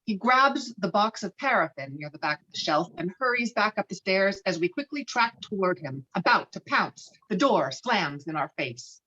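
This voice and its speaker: A woman's voice: medium pitch, fairly bright tone. A woman reading screenplay stage directions as dramatic scripted narration. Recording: slightly dull, lo-fi microphone.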